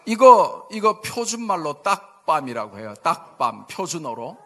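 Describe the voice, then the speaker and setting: Pastor in his 50s, Busan accent, lively and jokey, slightly higher voice, church sermon. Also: measured pace. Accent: Busan Gyeongsang dialect. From Busan, South Korea. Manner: animated, jokey, asks the congregation for replies. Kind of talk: humorous storytelling sermon. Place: church sanctuary.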